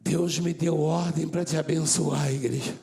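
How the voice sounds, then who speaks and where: A Brazilian pastor preaching a sermon to his congregation, swinging from hushed talk to shouting and acting out dialogues. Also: on the high side, fairly even intonation, a little slow, creaky. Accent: Brazilian Portuguese.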